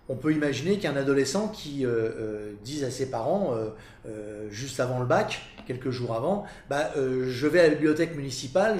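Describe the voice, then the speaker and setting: A middle-aged man speaks in a slightly high-set voice, explaining ideas like a coach addressing viewers. He stresses key words and repeats them for emphasis. The room around him is clearly echoey. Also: darkish tone. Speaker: presenter and communication coach. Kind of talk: explanatory monologue to camera.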